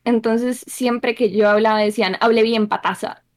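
A young woman from Costa Rica speaks calmly and thoughtfully as a guest in a casual chat. Her voice is fairly high and sits close and dry, with no room sound. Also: moderate pace, dry recording. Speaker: content creator guest.

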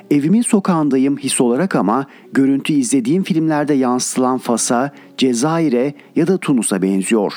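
Man narrating with lively, rising-falling pitch. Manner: reflective, recounting a dream then lamenting hard times. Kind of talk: scripted first-person narration.

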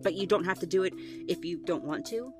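A woman playing an anxious, soft-hearted young driver in an audio drama, with a hesitant, stammering delivery. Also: fairly low pitch, brisk, music in the background, natural voice. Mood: nervous.

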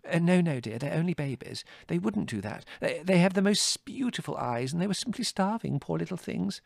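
Man voicing a high-pitched, flustered, placating mother. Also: animated, brisk, creaky, no echo, clean studio sound, full character voice. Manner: hesitant, soothing, fond protests. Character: flustered, placating middle-aged mother, gentle but firm. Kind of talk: audiobook character dialogue.

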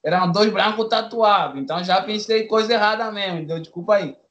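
A young man, telling a story casually in slangy, halting speech with many restarts. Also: high voice, fairly bright tone, dull audio. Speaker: interviewee.

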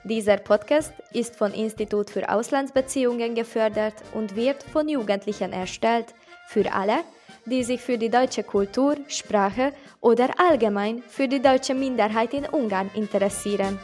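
A woman reading a scripted podcast intro in a bright, welcoming way. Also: on the high side, moderate pace, faint music behind. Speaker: podcast announcer.

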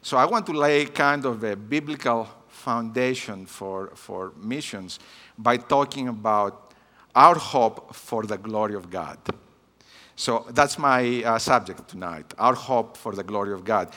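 A man's voice: medium pitch, measured pace, sharp tone, long reverb tail. A man of about fifty with a Greek accent, a native Greek speaker giving a personal talk at a church conference, with many hesitant fillers. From Greece. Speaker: guest missions speaker. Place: church hall.

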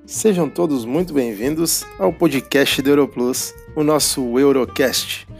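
A man's voice: mid-range voice, unhurried, creaky. A man reading a scripted podcast introduction in an upbeat, announcing manner. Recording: guitar music underneath. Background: faint guitar music.

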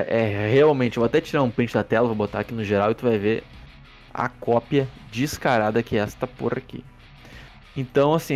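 A man's voice: mid-range voice, darkish tone. A man with a Brazilian Portuguese accent hosting a casual movie review podcast, sarcastic and profane, rambling with restarts. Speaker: podcast host. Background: faint background music.

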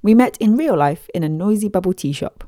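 A woman's voice: mid-range voice, animated, fairly quick, noisy background. A woman narrating a podcast in the first person, reading scripted storytelling as its host.

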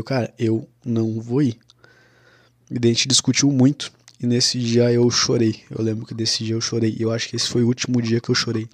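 A young man recounts a personal story in a casual, confessional monologue. His voice sits at a middle pitch and stays flat and even, and he keeps dropping in "cara" and "né". The sound is dry and close, with no room around it. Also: no echo.

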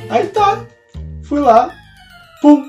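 Man, 30s, animated crude storyteller, swearing, roomy and off-mic, music behind. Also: extremely high pitch, very slow, distant mic, lo-fi sound. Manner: animated, swearing storyteller who acts out scenes. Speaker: podcast co-host telling a story. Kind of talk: casual chat, comic anecdote.

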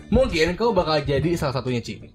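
A man's voice: on the high side, big pitch swings, fairly quick, over music. A man co-hosting a radio show who keeps cracking absurd jokes. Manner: joking, absurd quips. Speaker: radio co-host. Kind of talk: casual radio chat.

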